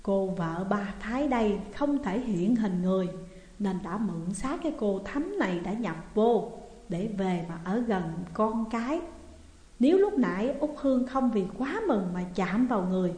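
A woman's voice: medium pitch, expressive, normal speed, warm tone, natural voice. A woman with a Southern Vietnamese accent voicing a knowing village elder explaining a haunting. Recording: echoey room with long reverb.

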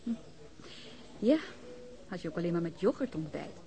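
An actress playing a female police officer who talks in a familiar, gently probing way in a Dutch radio crime drama. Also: lowish voice, lively intonation, moderate pace. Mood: teasing, concerned.

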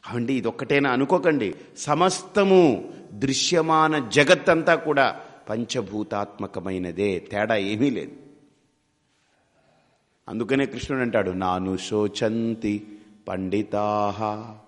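A man's voice: medium pitch, expressive, measured pace, pauses often, long reverb tail. A man teaching as a spiritual guide in a devotional discourse. He asks many rhetorical questions and mimics his listeners as he talks.

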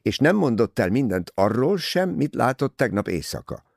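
A man voicing a small, courteous Belgian detective in an audiobook, measured, polite and probing. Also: medium pitch, sing-song, vocal fry, no echo, studio quality, pitched above the performer's own voice. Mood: calm, insistent.

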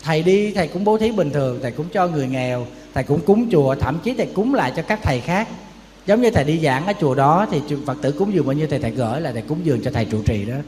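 High-voiced monk preaching. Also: male voice, lively intonation, very fast, darkish tone, big-room sound, slight background noise. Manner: chatty storytelling, asks the audience rhetorical questions. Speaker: Buddhist monk teacher. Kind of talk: sermon.

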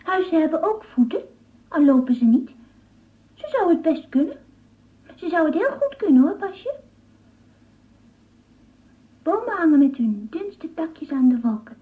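A whimsical little girl prattles naively in a radio play. Her voice is high and childlike, full of curiosity. The recording is old, muffled and narrow. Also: big pitch swings, unhurried, pauses often, heavily acted. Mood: dreamy, whimsical. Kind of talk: Dutch radio play acting.

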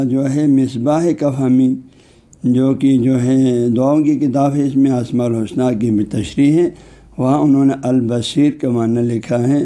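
Speaking at a medium pitch with a mellow quality, a male Islamic scholar gives a religious talk. He explains each term word by word, fills gaps with frequent filler phrases, and reads Arabic text at a slow pace.

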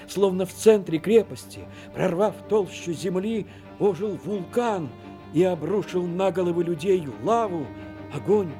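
A man tells a war story as the narrator of a radio drama. His voice sits slightly high for a man, delivering literary prose with dramatic, measured phrasing over prominent music.

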